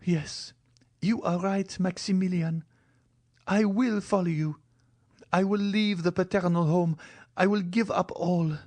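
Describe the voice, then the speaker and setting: A man's voice: sits high, fairly even intonation, a little slow, a little mellow, pitched above the performer's own voice. A man voicing a devoted, anguished young woman who pleads tearfully in an audiobook reading. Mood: impassioned.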